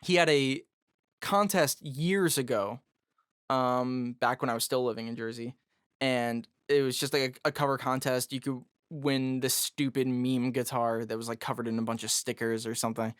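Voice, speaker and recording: A man with a raspy, somewhat high voice, chatting loosely as a podcast guest. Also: steady tone, moderate pace, no room sound, clean studio sound. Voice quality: raspy, higher voice. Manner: loose and jokey, lots of fillers. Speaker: guest musician. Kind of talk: casual podcast conversation.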